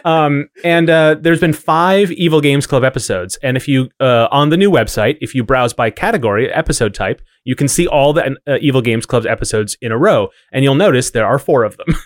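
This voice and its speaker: A man's voice: mid-range voice, a little fast, hardly any pauses, no room sound, studio quality. A man co-hosting a podcast in casual chat, with a wry, rambling way of explaining things. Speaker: podcast co-host.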